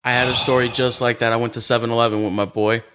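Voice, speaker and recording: A man co-hosting a podcast, telling an excitable, profane story in casual chat. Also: medium pitch, fast talker, noisy background.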